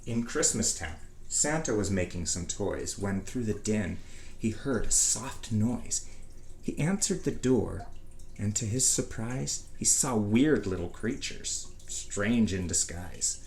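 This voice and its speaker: A man giving a dramatic reading of a rhyming storybook, with measured, theatrical phrasing and pauses. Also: lowish voice, a little mellow. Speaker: storybook reader. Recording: echoey room, faint background noise.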